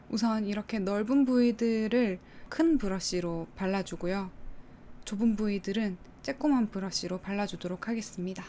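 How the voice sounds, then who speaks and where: A woman with a soft-edged, mellow voice at a medium pitch talks through a casual beauty tutorial. She explains each step politely, in the manner of a vlogger addressing viewers. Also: measured pace, slight background noise. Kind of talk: casual make-up tutorial narration.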